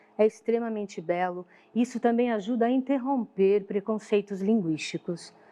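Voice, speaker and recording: A woman with a São Paulo accent, a fairly high pitch, and a dark, mellow tone. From São Paulo, Brazil. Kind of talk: teacherly, reading aloud.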